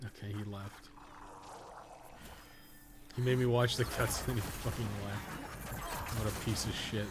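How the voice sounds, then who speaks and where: Man casually streaming games over clear background noise. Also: lowish voice, fairly even intonation, measured pace. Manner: casual, sweary, muttering to himself. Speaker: game streamer, podcast host. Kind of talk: casual live gameplay commentary.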